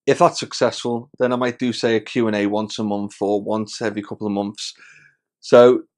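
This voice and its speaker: A man's voice: fairly low pitch, little pitch movement, moderate pace, a little mellow. Chatty man with a Scouse-tinged Wirral accent. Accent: Wirral, with a Scouse twang. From the Wirral, England. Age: 30s. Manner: chatty and friendly, with many fillers and restarts. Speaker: hobby miniature painting channel host. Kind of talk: casual to-camera chat.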